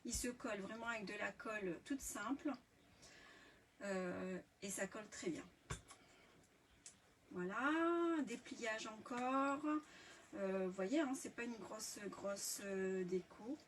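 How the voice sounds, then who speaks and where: A woman's voice: mid-range voice, slow, long pauses. A French woman hosting a live scrapbooking tutorial, talking casually with many fillers and restarts as she shows her materials. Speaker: scrapbooking workshop host. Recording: distant mic, faint background hiss.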